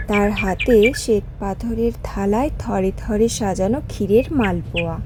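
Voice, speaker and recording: A woman's voice: mid-range voice, background noise. A woman narrating a scripted fairy tale as a storyteller.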